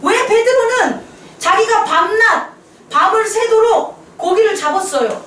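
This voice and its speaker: A woman preaches a sermon in a small church, her voice very high and animated as she keeps turning questions to the congregation. She slips English phrases in among her words. The sound is roomy and echoey, and she is a little way off the microphone. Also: a little slow, slight background noise. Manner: lively questioning of listeners, mixes English phrases. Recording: echoey room, voice a bit far from mic.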